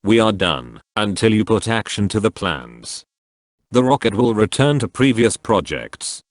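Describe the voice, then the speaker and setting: Low-voiced man reading posts aloud. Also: big pitch swings, a little slow, no room sound, studio quality. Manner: reads handles and symbols out literally.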